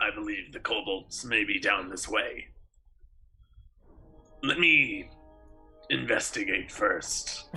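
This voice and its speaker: A man puts on a raspy character voice, going at a fairly slow pace with long, frequent pauses. Music plays in the background. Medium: actual play. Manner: earnest, friendly.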